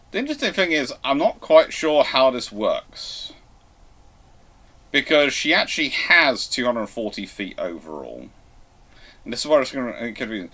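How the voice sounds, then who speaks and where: A man hosting a live question and answer stream in a casual way, halting as he thinks aloud. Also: medium pitch, a bit bright.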